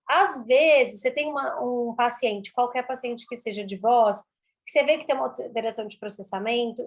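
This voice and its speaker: A fairly high-voiced woman talks as an interview guest. She explains things in an animated way, stacking up repeated words for emphasis. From Brazil. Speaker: speech therapist guest.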